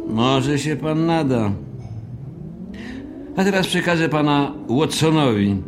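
An actor playing an officious middle-aged hotel manager in an audio drama, speaking in a formal, lecturing, condescending way. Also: male voice, medium pitch.

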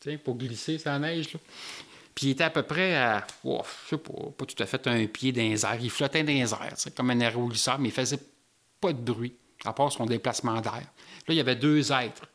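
A man with a Québécois French accent, telling a personal story in an animated way with local slang. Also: mid-range voice, a little fast.

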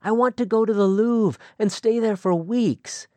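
A man's voice: sits high, very animated, unhurried, darkish tone, no room sound, voice pushed up. A male audiobook narrator voicing a spirited, restless young Amish woman who talks in an earnest, pleading way. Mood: excited.

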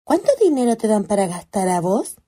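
A woman's voice: mid-range voice, very animated, a little fast, mellow, husky. A woman doing a bratty chattering little girl. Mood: chatty.

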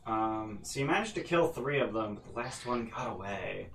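Man, game master, halting delivery, roomy echo, set back from the mic. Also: fairly low pitch, expressive, creaky, a bit bright. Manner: hesitant, with many ums and restarts. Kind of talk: narrating a tabletop game. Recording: echoey room, far from mic, faint noise.

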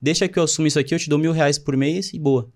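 A man's voice: a little high, fairly even intonation, fast talker, darkish tone. A young man in his twenties, casually telling his life story in a slangy way, often quoting what others said. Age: 20s. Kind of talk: casual chat.

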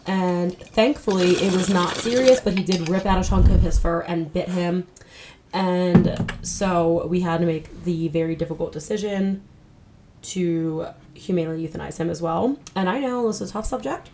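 A woman with a nasal, slightly low-pitched voice talks casually as a podcast co-host. She is candid and informal, and there is faint noise behind her. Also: normal speed. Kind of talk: casual chat.

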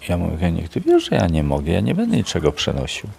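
An older man, a prison chaplain, telling stories in an unhurried, reflective way in a gravelly, husky voice. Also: low-pitched, huge pitch swings, a little mellow. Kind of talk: storytelling in a radio interview.

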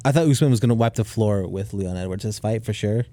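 A man's voice: on the low side, a little fast, dark tone, no room sound. A young man co-hosting a podcast in casual chat, laid-back and full of "like" and "dude". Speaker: podcast co-host.

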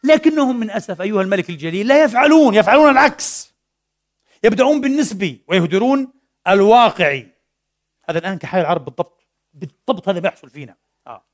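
A man's voice: sits high, very fast. A middle-aged man preaching a sermon in a mosque, telling a story animatedly and slipping between formal and colloquial speech. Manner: animated storytelling, mixing classical and colloquial Arabic. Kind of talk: Friday sermon.

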